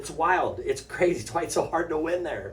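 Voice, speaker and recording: In a room with audible echo, a man speaks at a moderate pace. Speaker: college softball head coach. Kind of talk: press conference. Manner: halting, frequent repetitions; candid, animated.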